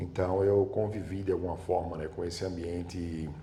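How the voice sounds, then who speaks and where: A northeastern Brazilian accent with audible room echo. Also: man. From Brazil, Natal, Rio Grande do Norte. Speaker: chemistry professor. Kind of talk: interview. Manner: hesitant, many repetitions.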